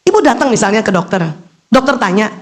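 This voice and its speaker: A middle-aged woman delivers an animated religious lecture. Her voice jumps high and drops low as she teases her listeners and poses questions only to answer them herself. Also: quick pace. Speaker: Islamic lecturer and doctor.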